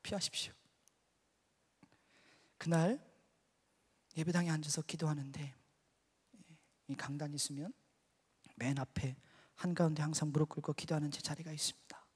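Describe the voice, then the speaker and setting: Impassioned high-voiced male preacher. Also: steady tone, normal speed, long pauses, husky. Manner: swings between hushed whispers and loud emotional outbursts. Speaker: missionary preacher. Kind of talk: sermon testimony. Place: church sanctuary. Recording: echoey church hall.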